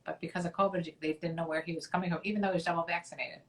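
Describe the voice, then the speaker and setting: A woman's voice: on the low side, steady tone, racing. A woman from Chicago with a Chicago accent, co-hosting a casual chat show and reading out viewer comments with blunt, joking remarks. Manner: blunt, jokey, reads viewer comments aloud. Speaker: co-host.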